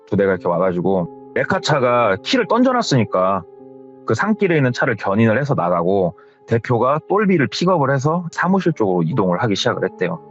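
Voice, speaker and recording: A man's voice: medium pitch, big pitch swings, a little fast, muffled recording, faint music behind. A man telling a horror story casually, retelling what someone else told him in a conversational tone. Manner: conversational, retells secondhand with hearsay endings.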